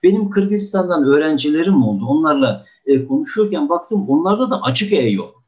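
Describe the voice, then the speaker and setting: A man's voice: fairly high pitch, sing-song, fairly quick, darkish tone. An older man giving a diction lesson in a courtly manner, often saying "efendim" and acting out example words in exaggerated tones. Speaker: diction teacher. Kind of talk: lecture on pronunciation.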